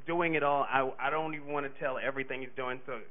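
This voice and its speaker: A man's voice: mid-range voice, fairly even intonation, quick pace, a little hiss or hum. A man introducing a conference speaker in a jokey, chatty, loose way. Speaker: session introducer. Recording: tinny phone-like conference recording.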